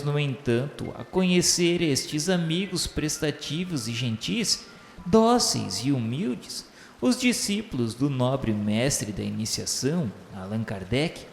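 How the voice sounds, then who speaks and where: A man's voice: mid-range voice, creaky. A man with a Brazilian accent narrating an audio novel in a formal, solemn, declamatory and earnest literary style. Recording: echoey hall reverb with music behind. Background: music.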